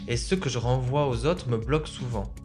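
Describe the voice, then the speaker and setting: A young man hosting a podcast, reading a reflective scripted introduction and asking interview questions in a measured way. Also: medium pitch, a little mellow, soft background music. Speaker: podcast host.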